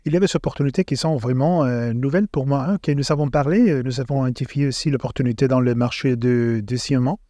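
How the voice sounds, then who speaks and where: A man with a foreign, Spanish accent in French, a native Spanish speaker, hosting a conversational podcast interview and haltingly searching for words. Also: medium pitch, warm tone, no room sound, studio quality. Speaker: podcast host.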